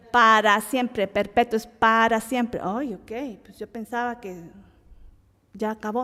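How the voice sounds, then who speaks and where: Speaking at a very slow pace, a woman has fairly high pitch. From Guatemala. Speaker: Bible teacher. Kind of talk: Bible study lesson. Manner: halting, many repetitions and fillers.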